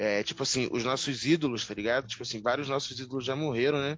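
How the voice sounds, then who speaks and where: Over music in the background, a man speaks in a fairly high pitch with fairly even intonation. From Rio de Janeiro, Brazil. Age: 20s. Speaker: singer-songwriter. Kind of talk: casual chat. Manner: halting.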